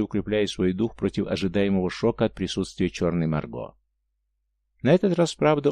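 Measured male audiobook narrator, dark voice. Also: lowish voice, no echo. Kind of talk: scripted narration.

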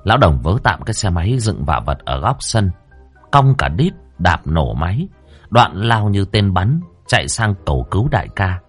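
A man narrating a ghost story in a vivid, lively way. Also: low-pitched, normal speed, breathy edge. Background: faint background music.

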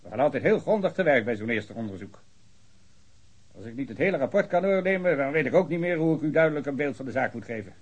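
An actor playing a long-winded, pedantic police officer in a radio drama. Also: male voice, medium pitch, lively intonation, quick pace, breathy edge, highs cut off. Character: fussy male police officer reading a report.

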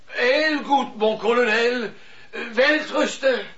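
High-voiced, servile French valet. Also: male voice, slow pace, fairly bright tone, exaggerated voice. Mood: obedient, servile. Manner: obsequious, flustered, protesting. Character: fussy, servile French valet and cook, a man. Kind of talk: radio play acting. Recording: dull lo-fi radio play recording.

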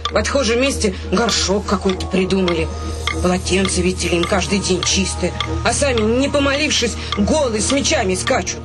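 A man playing a pious young servant boy in a radio play, muttering and grumbling in a high voice. Music plays clearly behind him. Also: moderate pace, lightly acted.

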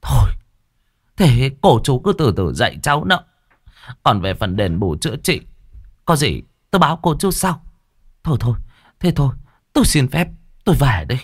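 A man voicing an angry middle-aged village mother, talking fast in a shrill, wailing complaint. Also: sing-song, breathy edge. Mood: hurried, placating.

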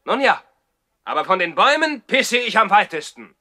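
An actor playing a defiant, courtly young baronet in a German radio play from the 1960s. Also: male voice, sits high, very animated, moderate pace, pushed and bright, exaggerated voice. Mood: proud, defiant. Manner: stilted courtly politeness turned cheeky and defiant. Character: defiant young baronet boy living in the trees.

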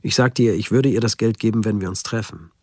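An actor playing a trusting, lovelorn man giving a plain, subdued first-person account in a radio drama, with a husky voice. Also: on the low side, fast, a little mellow, no echo, clean studio sound. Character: trusting, lovelorn male victim of romance scam.

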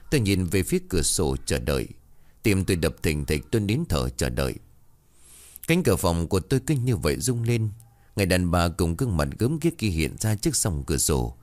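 Male horror storyteller, deep voice, expressive scripted narration. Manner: dramatic, suspenseful reading.

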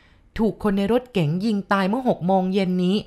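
A woman voicing an unseen ghostly woman who calls through a wall and speaks slowly and ominously. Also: medium pitch, natural voice. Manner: slow, flat, ominous.

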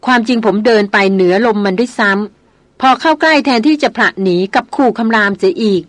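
A seasoned male jungle guide, played by a woman reader who tells what happened in a flat, unhurried way. The delivery stays slow and plain. The recording is dry and close. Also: fairly high pitch, dry recording, lightly acted. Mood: calm.

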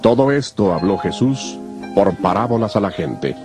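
A man's voice: fairly low pitch, lively intonation, normal speed. A man narrating a dramatized scripture recording from a script. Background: faint music.

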